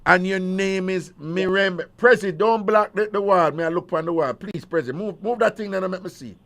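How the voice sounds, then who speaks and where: A man's voice: high voice, moderate pace, creaky, a bit bright. A man with a Jamaican accent hosting a live call-in radio show, teasing callers and repeating their answers back in a playful way. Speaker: radio talk show host.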